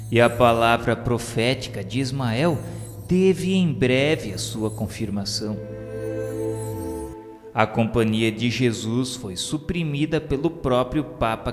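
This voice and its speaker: Brazilian guy narrating a religious radio novela, slow and solemn, big echo, music behind him. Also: mid-range voice. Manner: solemn, formal delivery. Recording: long hall reverb under music.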